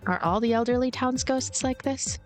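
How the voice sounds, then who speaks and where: A woman with a fairly high voice reads a story game aloud over background music. She moves between storybook-style narration and casual commentary of her own. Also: normal speed. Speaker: let's player reading and voicing a story game.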